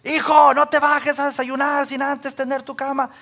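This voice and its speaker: A man's voice: very high-pitched, monotone, normal speed, bright, forceful tone, pitched above the performer's own voice. Man doing a scolding strict mother.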